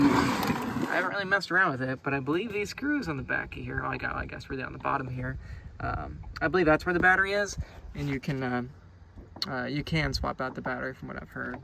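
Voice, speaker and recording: A man's voice: on the high side, gravelly, a bit bright, a little hiss or hum. A man giving a casual, unscripted product review outdoors, rambling along in a laid-back, hesitant way. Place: outdoors on a boat on a lake.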